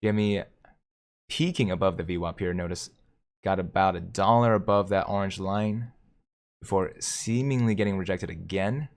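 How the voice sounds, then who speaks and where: A man hosting a live stream, commenting on stock charts and reading viewer comments aloud with excitement. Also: sits low, normal speed. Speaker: livestream host.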